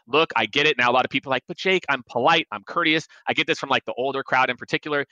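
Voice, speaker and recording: Man, 40s, sales coach guest: rapid, punchy delivery, lots of acted quotes. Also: mid-range voice, dry recording, highs cut off. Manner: animated, emphatic, acts out quoted lines. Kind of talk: energetic podcast advice.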